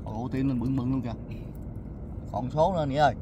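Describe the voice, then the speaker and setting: A man hosting a fishing vlog, calling out excitedly to his friends and the viewers from a small river boat. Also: mid-range voice, fast talker. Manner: excitable, calls out and whoops. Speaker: vlog host. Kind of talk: excited casual commentary on a fishing trip. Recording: outdoor boat noise.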